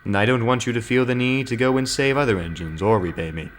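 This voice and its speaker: A man voicing a stern, fatherly older railway controller, speaking in a firm, measured, formal way, with music behind. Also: medium pitch, slight background noise, natural voice. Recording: background music.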